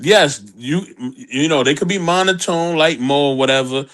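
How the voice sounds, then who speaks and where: A man's voice: fairly high pitch, moderate pace, a bit bright. A man on a casual panel discussion, teasing and insistent, repeating his phrases to press a point.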